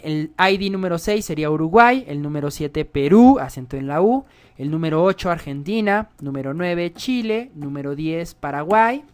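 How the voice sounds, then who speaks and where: A man gives a screen-recorded programming tutorial. He explains each step in a chatty way and keeps checking in with his viewers. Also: a little high. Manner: chatty, explains step by step, often asks "¿sale?".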